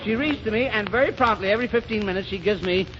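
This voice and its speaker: A man's voice: high-pitched, fast talker, muffled recording, background noise. A man doing 1930s radio comedy banter in a pompous, blustering, flustered way, heard on an old broadcast recording. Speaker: comedian in radio variety show.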